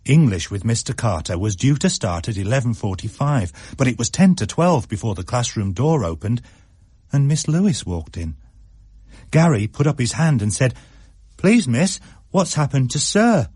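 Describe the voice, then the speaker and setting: A man narrating a story with a lively, swinging delivery. His voice is slightly husky and close, recorded in a dry studio. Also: medium pitch, normal speed, no echo. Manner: expressive, animated storytelling. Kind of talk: scripted story reading.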